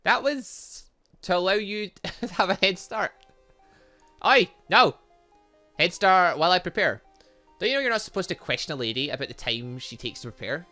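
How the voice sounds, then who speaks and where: A haughty, proper young lady from a visual novel, played by a man. The voice is sharp and expressive, with formal, clipped phrasing and a short temper. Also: high voice, moderate pace, pauses often, soft background music. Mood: flustered. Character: prim, haughty, easily exasperated teenage girl.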